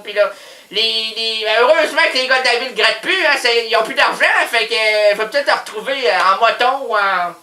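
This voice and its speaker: A rambling, scatterbrained older housewife with a Quebec French accent, as a man puts her on for a radio sketch. Her voice is high, bright and sharp, and it rings in a roomy studio. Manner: rambling, scatterbrained, prone to sudden shouts. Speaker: comic character caller. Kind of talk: improvised radio comedy sketch.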